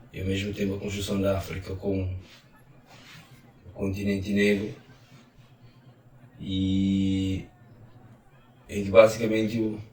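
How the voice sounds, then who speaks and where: A man giving measured, analytical answers in a documentary interview. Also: low-pitched. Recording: distant, roomy mic with ambience.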